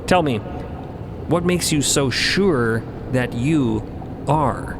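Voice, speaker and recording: A man playing a solemn, commanding mystic of a ship, speaking in a formal, measured, didactic way in an audio drama. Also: expressive. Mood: probing, solemn. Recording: rumbling vehicle-like background noise.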